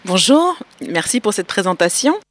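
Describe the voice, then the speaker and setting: A woman, answering interview questions in a thoughtful, measured way as she searches for her words. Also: medium pitch, big pitch swings. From Belgium. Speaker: guest researcher.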